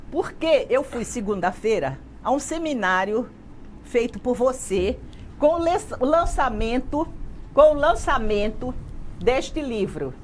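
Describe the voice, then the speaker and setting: A woman's voice: fairly high pitch, expressive, slow pace, slight background noise. Effusive Brazilian woman hosting a TV show. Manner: effusive, addresses viewers directly. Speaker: TV talk show host. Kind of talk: TV interview.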